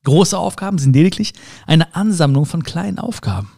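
A man's voice: on the high side, a little fast, gravelly, husky. A man giving a casual motivational monologue, talking straight to the listener with rhetorical questions and playful sound words. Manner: animated, addresses listener directly with rhetorical questions.

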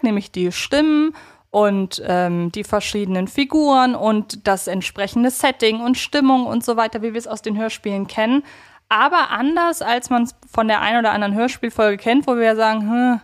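A woman co-hosting a podcast, casually discussing audio dramas and reflecting on her personal opinions. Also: medium pitch. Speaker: podcast co-host.

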